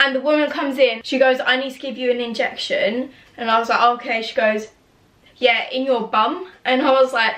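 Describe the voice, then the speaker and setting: Behind noticeable background noise, a woman with an English accent speaks in a high pitch at a moderate pace. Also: fairly even intonation. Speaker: vlogger. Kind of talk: storytime vlog. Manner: casual, filler-heavy.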